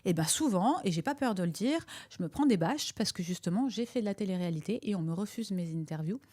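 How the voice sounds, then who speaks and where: Fast and animated, this woman's mid-range voice is a little mellow. She hosts a casual, opinionated podcast and makes videos, pressing her points with emphasis and repetition.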